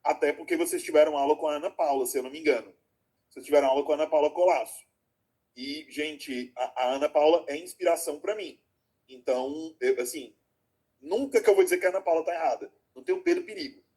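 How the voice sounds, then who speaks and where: This online teacher speaks quickly in a fairly high, husky voice with a dark tone. Heard over a video call, he explains things step by step, asks students check-in questions often, and fondly calls them "my loves."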